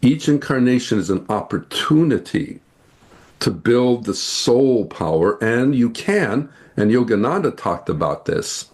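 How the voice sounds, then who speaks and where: A man from the United States, a guest in an interview, earnestly explaining ideas and slowing down to stress his points. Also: medium pitch, big pitch swings, a little mellow. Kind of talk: spiritual interview talk.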